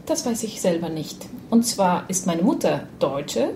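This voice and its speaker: A woman from Uruguay speaks in a low, mellow voice, pausing often and filling gaps with small hesitation sounds. A faint low rumble sits under her voice. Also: big pitch swings. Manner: hesitant, many pauses and filler sounds. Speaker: interviewee. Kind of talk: unscripted personal account.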